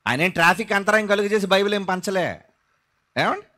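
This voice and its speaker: A male pastor preaching an impassioned sermon, firing rhetorical questions at his listeners and swinging from loud outbursts to soft asides. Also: sits high, fairly quick.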